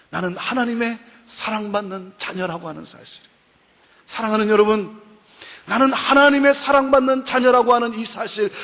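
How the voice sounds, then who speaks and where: A woman's voice: fairly high pitch, fairly bright tone. Woman preaching in a reverberant hall. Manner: emphatic, repeats key phrases, asks rhetorical questions. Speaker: Christian seminar lecturer. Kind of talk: preaching lecture.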